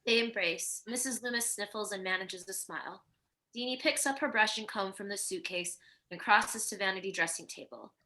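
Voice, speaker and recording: Bright-voiced woman reading stage directions. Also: medium pitch, normal speed, rough recording. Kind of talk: scripted narration of a screenplay.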